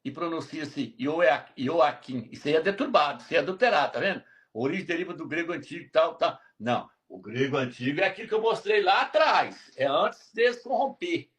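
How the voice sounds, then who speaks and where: A man's voice: a little high, expressive, brisk, fairly bright tone. A man teaching Bible lessons on a live stream, emphatic and repetitive, often checking that his listeners follow. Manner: emphatic, repetitive, keeps asking "tá vendo?". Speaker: religious teacher.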